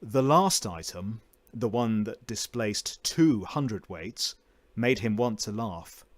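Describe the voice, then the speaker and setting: A man narrates a short story in a fairly low voice. His delivery is theatrical and emphatic, shaped like a voice-over performance. The recording is close and dry, with very little room sound. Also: lively intonation, slow, no room sound. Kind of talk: dramatic fiction narration.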